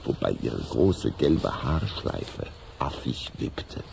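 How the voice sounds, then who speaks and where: A man's voice: very deep voice, sing-song, slow pace, creaky, darkish tone, slight background noise. A man delivering scripted storytelling narration as the narrator of a children's audio drama.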